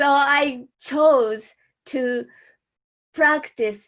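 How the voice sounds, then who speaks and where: Speaking with a Japanese accent, a woman shows ordinary pitch variation. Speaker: storytelling coach. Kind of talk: tutorial. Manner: deliberately moderated tone.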